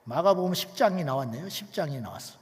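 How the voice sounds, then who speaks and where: A male pastor preaching an emphatic sermon, dropping to near whispers and then rising loud, with many rhetorical questions to the congregation. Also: fairly high pitch, lively intonation, fast talker, in a large hall.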